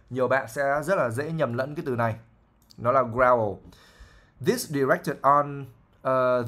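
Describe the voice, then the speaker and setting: A man's voice: mid-range voice, fairly bright tone. A man, an English teacher patiently explaining a novel line by line, with fillers and frequent checks for understanding.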